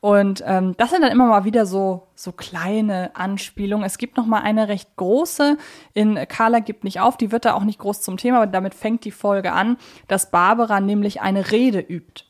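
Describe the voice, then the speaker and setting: A woman's voice: medium pitch, moderate pace. A woman co-hosting a casual, analytical podcast, who often searches for her words and corrects herself as she talks. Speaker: podcast co-host.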